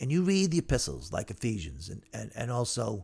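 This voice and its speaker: A medium-pitched male voice with an American accent and vocal fry, at a moderate pace, with very wide pitch swings. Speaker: Bible teacher. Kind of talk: Bible lesson lecture. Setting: church class.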